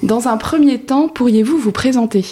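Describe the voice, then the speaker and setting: A woman hosting a podcast, reading her introduction in a calm, measured way and then interviewing her guest. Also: on the high side, breathy edge. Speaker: podcast host. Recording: faint music behind.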